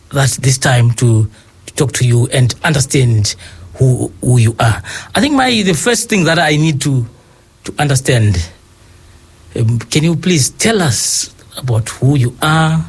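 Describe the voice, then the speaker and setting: A man interviewing a guest, asking halting, rambling questions and backchanneling often. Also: medium pitch, husky. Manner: halting, restarts questions, frequent mm-hmm.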